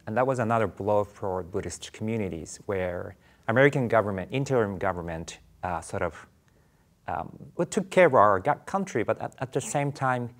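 A man in his forties from Japan with a Japanese accent, answering interview questions thoughtfully in a studio, with many fillers and restarts. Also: on the low side. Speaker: Buddhist priest guest.

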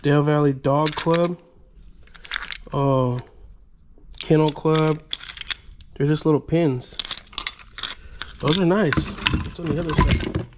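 A man's voice: fairly high pitch, slow, long pauses, noisy background. A man in his thirties casually narrating as he digs through boxes in a storage unit, exclaiming over each find. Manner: excited, exclaiming over finds. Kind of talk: casual unboxing commentary.

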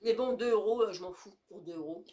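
A woman from France in her fifties vlogs casually about her groceries, the camera close in front of her in an indoor bedroom with leafy wallpaper. Her voice is medium in pitch and dark in tone, a little fast, and slightly stuffy from a cold. Every so often she coos baby talk to her cat in her chatty, playful way.

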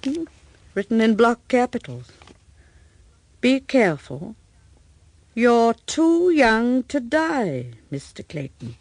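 An actress playing an inquisitive, affectionate detective's wife in a radio drama. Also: female voice, a little high, sing-song, takes it slowly, long pauses, darkish tone, full character voice. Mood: curious.

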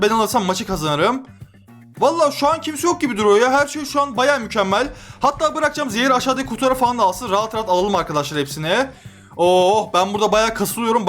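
High-voiced excitable young man gaming. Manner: fast, excitable, shouts and yelps at the action. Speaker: gaming YouTuber. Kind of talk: excited Let's Play commentary.

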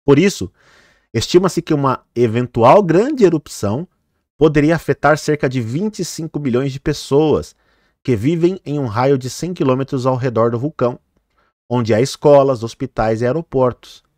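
A man's voice: medium pitch, moderate pace, a little mellow, dry recording, clean studio sound. A man vlogging, casually commenting on footage and talking straight to his viewers with many fillers, sometimes tripping over hard names. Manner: chatty, fillers like "né" and "olha, gente".

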